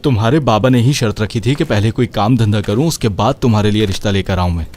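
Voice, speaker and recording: A man's voice: fairly low pitch, quick pace, darkish tone, natural voice. A man voicing a boastful but cowardly young suitor with a pleading, wheedling manner.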